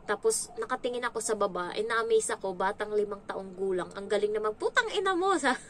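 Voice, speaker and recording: A young woman talks casually to her camera, telling stories with lively imitations. Her voice sits at a middle pitch for a woman. A faint steady room noise runs underneath. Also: brisk. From Visayas, Philippines. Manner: chatty, animated storytelling with imitations. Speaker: domestic helper vlogger.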